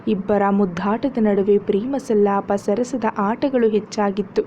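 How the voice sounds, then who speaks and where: A woman narrating a serialized romance story in a steady, dramatic storytelling manner, on a dull lo-fi recording with faint hiss. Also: mid-range voice, a little slow.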